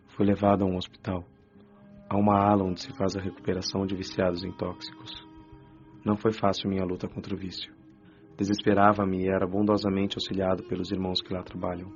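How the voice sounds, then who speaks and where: An actor with a Brazilian Portuguese accent playing a young man's spirit, a former cocaine addict, telling his story in a low, subdued, confessional way. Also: natural voice. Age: young adult. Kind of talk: radio drama first-person account. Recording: dull lo-fi audio with faint music.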